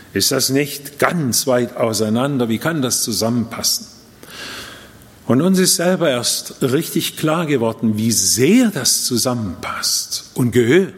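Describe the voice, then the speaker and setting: Middle-aged man preaching in a reverberant hall. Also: mid-range voice. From Japan. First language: Japanese and German, raised bilingual. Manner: earnest, slow, emphatic testimony. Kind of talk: sermon. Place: church hall.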